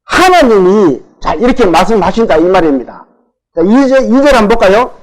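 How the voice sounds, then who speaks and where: A male pastor with a Gyeongsang Korean accent delivers a sermon in a high-pitched voice that swoops up and down. He poses questions to the congregation and answers them himself, drawing out the words he stresses. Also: sing-song, brisk, low-quality recording.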